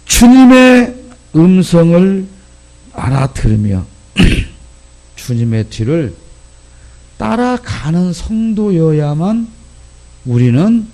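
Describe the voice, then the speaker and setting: Animated male pastor preaching. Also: on the high side. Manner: animated, emphatic, asks the congregation questions. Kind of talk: sermon.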